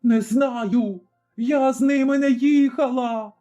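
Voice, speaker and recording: A man voicing a vicious old tavern-keeping woman called a witch in a told story, shrill and screeching. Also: drawn-out words, darkish tone, highs cut off, soft background music. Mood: spiteful.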